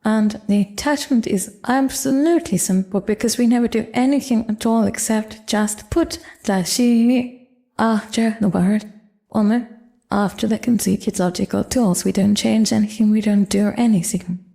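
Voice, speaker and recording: An older woman explaining grammar in a measured, careful lecture. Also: medium pitch, fairly even intonation, creaky, warm tone. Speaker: Japanese language teacher. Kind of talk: grammar lesson narration.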